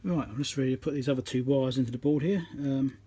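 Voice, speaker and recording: A man giving casual hands-on commentary as he works, halting and half talking to himself while he concentrates, recorded on a phone at an indoor workbench. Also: medium pitch, mellow, breathy edge. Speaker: electronics repairer, channel host. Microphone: phone on a tripod above the work. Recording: noisy room recording on a phone.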